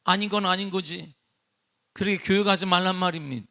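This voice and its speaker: A middle-aged man preaching a sermon as pastor, emphatic with call-and-response questions, then easing into a relaxed personal story. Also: high voice, brisk, gravelly. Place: church sanctuary.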